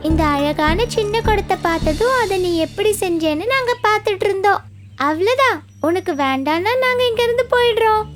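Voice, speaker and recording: A woman's voice: very high voice, animated, brisk. A woman voicing a friendly, brave little creature in a children's cartoon, with a childlike, reassuring manner. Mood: admiring, reassuring. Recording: loud music under the voice.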